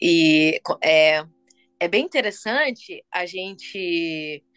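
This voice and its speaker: A woman's voice, dry and close with no echo, over background music. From Brazil, Vitória, Espírito Santo. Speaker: businesswoman. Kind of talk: interview. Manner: halting, many fillers; animated.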